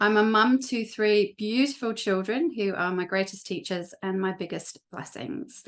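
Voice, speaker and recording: A woman with a British accent talks with hardly any pauses. Her pitch varies in an ordinary way. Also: fairly high pitch for a woman, moderate pace. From UK. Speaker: transformation coach. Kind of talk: interview presentation.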